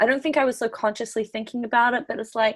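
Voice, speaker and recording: A woman speaks with a New Zealand accent. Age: 30s. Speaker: former coaching client. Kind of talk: interview testimony. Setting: podcast interview.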